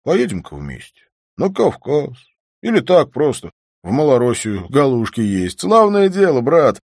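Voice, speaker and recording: A man's voice: medium pitch, wildly swooping pitch, a little slow, no echo, studio quality, voice pushed up, full character voice. A man voicing a teasing, easygoing friend. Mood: playful. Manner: coaxing, joking, lightly raised. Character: easygoing, teasing male friend, calm and wry.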